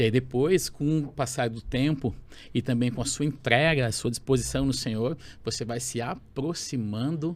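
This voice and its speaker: A man talks at a fairly slow pace, with ordinary pitch variation. The background is silent, and the recording is very clean. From southern Brazil, Rio Grande do Sul (Porto Alegre, family from Bagé). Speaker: pastor. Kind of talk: podcast interview.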